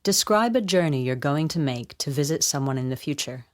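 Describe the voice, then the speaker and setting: A woman reading scripted educational narration in a measured, instructional way. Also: low-pitched, animated, no echo, studio quality. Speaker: voiceover artist and presenter.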